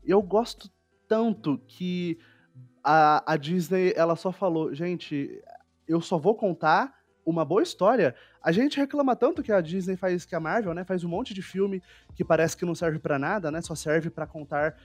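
A man's voice: high voice, normal speed, no echo. A Brazilian man in a casual podcast discussion, giving his opinions informally. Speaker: podcast co-host. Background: background music.

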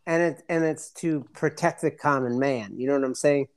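A man explaining things in casual podcast chat, halting, with slangy, profane frat-bro talk. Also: on the high side, smooth.

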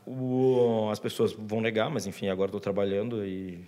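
A man's voice: fairly low pitch, little pitch movement, moderate pace, warm tone, in a large hall. A man with a Brazilian accent, telling a long story in loose, slangy chat with many restarts. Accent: Brazilian Portuguese. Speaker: guest author. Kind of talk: casual chat.

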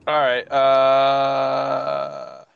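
A man's voice: mid-range voice, big pitch swings, drawn-out words, vocal fry, clear, resonant tone, muffled recording. A man co-hosting a podcast in loose, swearing banter, speaking over a phone whose call audio breaks up and glitches. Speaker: podcast co-host. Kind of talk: casual chat.

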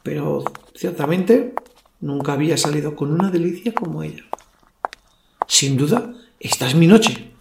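Man as cocky male werewolf, gravelly, lustful, crude, horror audio fiction, roomy sound, music behind. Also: fairly high pitch, normal speed, noisy background. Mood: eager, lustful. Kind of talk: audio fiction acting with first-person narration.

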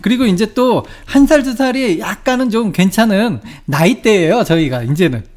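A man's voice: high-pitched, expressive, moderate pace, a little mellow. A Korean man in his forties explaining things in a casual chat and acting out short dialogues. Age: 40s. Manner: explanatory, acts out little dialogues.

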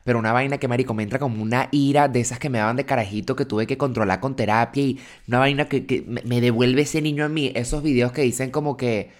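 A man's voice: mid-range voice, steady tone, quick pace, hardly any pauses. A young man from Venezuela with a Venezuelan Spanish accent, hosting a podcast and ranting expressively in casual, slang-heavy chat. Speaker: podcast host.

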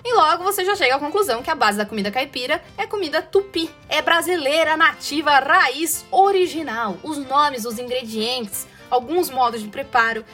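Woman podcast host, strong caipira accent, high voice, chatty and sarcastic, faint music under her. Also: animated, normal speed, hardly any pauses, pushed and bright. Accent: Brazilian caipira, rolled-back R. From interior of São Paulo state, Brazil. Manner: playful, sarcastic asides, chatty rhetorical questions. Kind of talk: casual educational podcast monologue.

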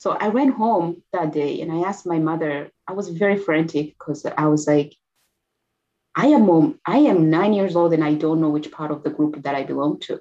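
A middle-aged woman with a Rwandan accent speaks in a low, deep register as an interview guest. She tells her story quickly and earnestly, with soft laughs. The recording sounds a little dull and muffled. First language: Kinyarwanda. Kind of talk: personal testimony interview.

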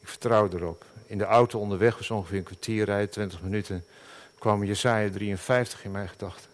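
A middle-aged man, a pastor, preaching a sermon in an earnest, halting way with many fillers and restarts. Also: on the low side, fairly even intonation.

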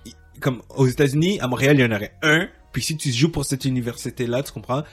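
A man's voice: medium pitch, fast talker, slightly rough, soft background music. A man hosting a casual soccer interview, rambling with many restarts. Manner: rambling, many restarts and fillers, laughs often. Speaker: podcast host.

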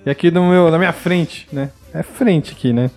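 A man's voice: a little high, moderate pace, darkish tone, soft background music. Joking Brazilian podcast host, man. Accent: Brazilian Portuguese. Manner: joking, laughs often. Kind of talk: casual podcast chat.

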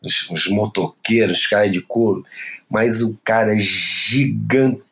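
A Brazilian man with a Brazilian Portuguese accent, telling a story as an interview guest in a casual, profane and animated way. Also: lowish voice, unhurried, gravelly, slight background noise.

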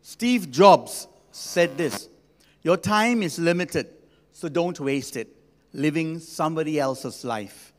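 A sixty-year-old man delivers a sermon as a senior pastor, his voice pitched a little high. He talks conversationally with gentle humor, pausing for emphasis. The sound carries the long reverb of a large hall. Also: animated. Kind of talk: sermon to a congregation.

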